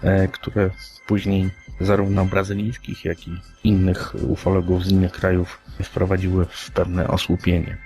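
A man with a low-pitched voice discusses news as a podcast co-host. His delivery is conversational and a little halting, with hesitations between phrases. Soft music plays faintly behind him.

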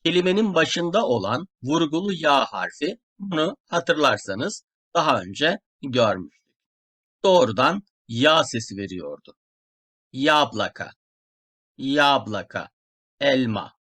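Slow, deliberate male language teacher. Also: fairly high pitch, big pitch swings, a bit bright. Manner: repeats words slowly and clearly for learners.

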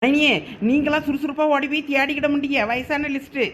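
A woman's voice: high-pitched, flat delivery, a little hiss or hum, natural voice. A woman playing a reassuring village neighbour. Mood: brisk. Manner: brisk and reassuring. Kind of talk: village comedy-drama acting. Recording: dull, lo-fi recording.

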